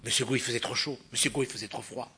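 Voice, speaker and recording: A man's voice: medium pitch, fairly even intonation, quick pace, pushed and bright, a little hiss or hum, lightly acted. Nagging churchwoman, as a preacher quotes her. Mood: complaining. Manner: peevish, repetitive complaining. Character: nagging older woman churchgoer, always complaining.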